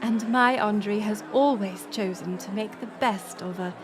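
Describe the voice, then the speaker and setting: A woman playing a gracious, resolute middle-aged queen in an audio roleplay, speaking in formal, stately, measured phrases. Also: medium pitch, over music, close to an everyday voice. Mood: earnest reassurance. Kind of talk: scripted audio roleplay acting.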